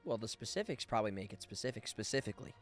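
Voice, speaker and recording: A man's voice: lowish voice, sing-song, racing, music in the background. A man giving casual, playful live commentary as a game streamer, with wry asides. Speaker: streamer and voice actor.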